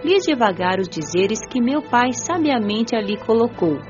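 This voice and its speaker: A woman playing a gentle, devout young spirit who recounts the afterlife in measured, reflective radio drama narration. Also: on the high side, lively intonation, muffled recording, natural voice. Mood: reflective, serene. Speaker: narrator and lead of an audio drama. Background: music.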